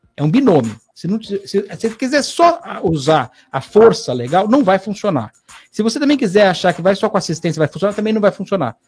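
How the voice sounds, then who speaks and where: A man's high-pitched voice with very wide pitch swings over music in the background. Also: moderate pace. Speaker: business director. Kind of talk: radio panel discussion.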